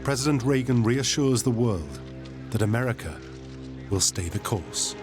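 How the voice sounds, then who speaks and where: A man giving measured, grave scripted narration for a documentary. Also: medium pitch, expressive, music in the background.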